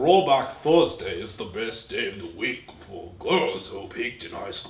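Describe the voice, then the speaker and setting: Putting on a character voice in a Transylvanian accent, a man speaks at a moderate pace with hardly any pauses and a slight echo. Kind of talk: dark, Russian-like.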